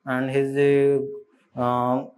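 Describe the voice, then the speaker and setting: A young man from eastern India with an Odia Indian accent, giving halting, deferential answers as an interview candidate. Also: mid-range voice, monotone, a little mellow, clean tone. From Odisha, India. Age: young adult. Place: indoor studio, seated. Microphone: lapel.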